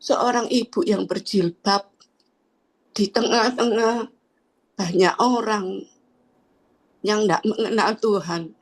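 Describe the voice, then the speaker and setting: A woman's voice: mid-range voice, slightly rough, poor audio. A woman giving a personal faith testimony in church, speaking in hesitant, trailing phrases with frequent fillers.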